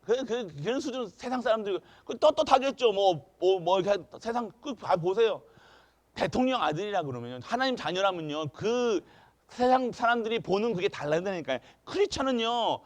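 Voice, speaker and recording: A man preaching an early-morning church sermon, throwing rhetorical questions to the congregation and swinging between loud emphasis and hushed asides. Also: sits high, expressive, moderate pace. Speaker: pastor. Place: church sanctuary.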